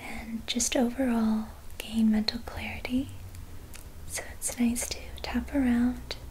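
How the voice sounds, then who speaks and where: Soft-spoken and with a gentle tone, a woman speaks at a very slow pace against light background noise. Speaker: wellness guide. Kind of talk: guided tapping tutorial. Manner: soft-spoken, gentle and hushed. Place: home room.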